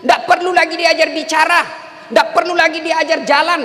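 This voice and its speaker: A male preacher with a very high, bright voice gives a joking yet emphatic sermon. He often pushes up into shouts. A long reverb trails every phrase. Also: flat delivery, fairly quick. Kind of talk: humorous sermon.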